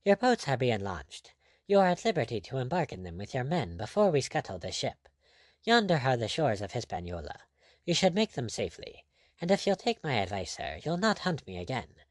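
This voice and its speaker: A man voicing a cool, courteous, mocking pirate captain, quietly firm and sardonic, in an audiobook adventure story. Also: mid-range voice, sing-song, a little fast, no room sound, close to an everyday voice. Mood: calm, mocking.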